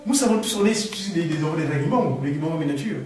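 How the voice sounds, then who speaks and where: An animated man from the Republic of the Congo answers questions at a gathering, speaking spontaneously to the audience, repeating words, restarting, and rising into exclamations. His voice is a little high and quick, picked up far from the mic in an echoey room with slight hiss or hum.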